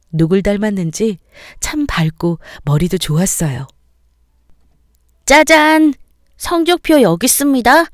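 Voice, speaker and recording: A woman narrating a family story in a calm, gentle way. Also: on the low side, no echo, studio quality.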